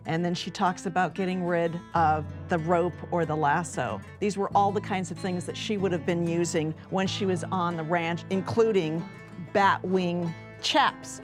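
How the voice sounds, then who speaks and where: An American woman narrates as an archivist, explaining history in a clear documentary storytelling style. Her voice sits slightly low, and guitar music plays clearly behind her. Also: steady tone, normal speed.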